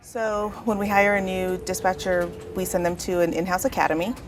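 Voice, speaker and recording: A woman's voice: on the low side, steady tone, fairly quick, music in the background. A woman dispatcher explaining her work in an unscripted interview. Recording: busy chatter behind the voice.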